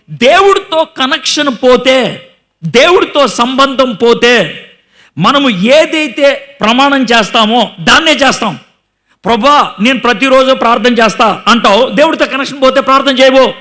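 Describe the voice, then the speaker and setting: A male pastor with a high, bright, ringing voice delivers a sermon. He presses his points with rhetorical questions and acts out the scripture with dramatic flair. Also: lively intonation, normal speed, long pauses.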